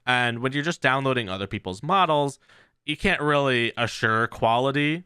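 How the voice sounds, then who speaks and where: Man, tech tutorial host, bright, smooth voice, casual, rambling. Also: mid-range voice, moderate pace, dry recording, studio quality. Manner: loose, filler-heavy explaining.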